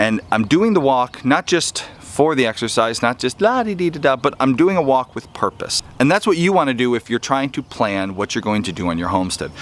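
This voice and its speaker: A man's fairly quick speech with hardly any pauses and very wide pitch swings, dry with no echo. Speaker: homesteading vlogger. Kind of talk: casual vlog chat. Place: open country. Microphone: phone near.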